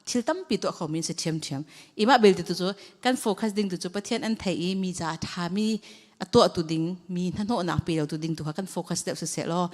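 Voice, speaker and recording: Lowish woman trainer in echoey hall. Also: fast, darkish tone. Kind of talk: church training talk. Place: church hall. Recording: long hall reverb.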